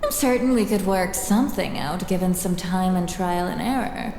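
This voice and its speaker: A woman's voice: on the low side, normal speed, a little mellow, slight background noise, lightly acted. A woman playing a ruthless, witty lead scientist in an audio drama, dry, imperious and formally spoken. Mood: coolly calculating. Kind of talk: first-person audio drama narration and dialogue.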